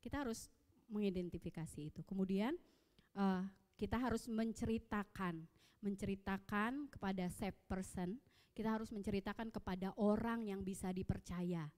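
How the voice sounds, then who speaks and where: A woman's voice: mid-range voice, moderate pace. Indonesian woman preaching in an echoing hall. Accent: Indonesian, Samarinda. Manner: lively storytelling, acting out dialogue. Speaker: youth service speaker. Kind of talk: sermon with personal stories. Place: church hall. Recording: long echo of a church hall.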